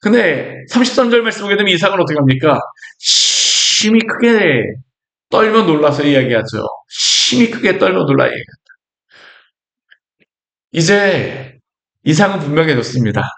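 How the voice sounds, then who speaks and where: Korean pastor preaching a sermon. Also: male voice, fairly high pitch, sing-song, normal speed, a bit bright. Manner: conversational preaching with rhetorical questions and acted-out scripture quotes.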